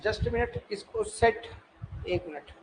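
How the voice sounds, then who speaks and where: This is a man with a high voice who takes things slowly as he teaches an exam-prep class live online through his own mic. He says things more than once and regularly checks on his audience, all on a low-quality recording.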